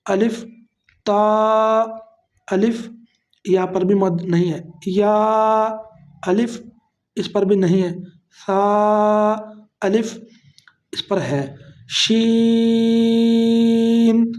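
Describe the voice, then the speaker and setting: A teacher giving an online Quran reading lesson, explaining patiently step by step, mixing in English words and stretching each recited letter long and slow. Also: mid-range voice, a little mellow. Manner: mixes English words into speech.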